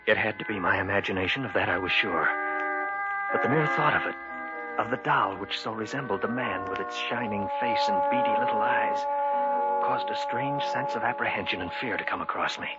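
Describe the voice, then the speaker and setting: A man's voice: lowish voice, a little fast, close to an everyday voice. An actor playing a young man who narrates his own eerie tale, speaking earnestly in 1940s radio style. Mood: brooding. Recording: dull old radio broadcast with music.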